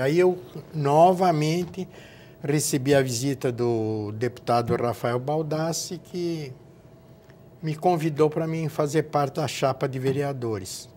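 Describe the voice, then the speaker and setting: Older São man recalling, halting. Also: fairly high pitch, a little mellow, slight background noise. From São Paulo, Brazil. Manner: halting, repeats words while recalling. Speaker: guest, former state legislator. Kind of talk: interview reminiscence.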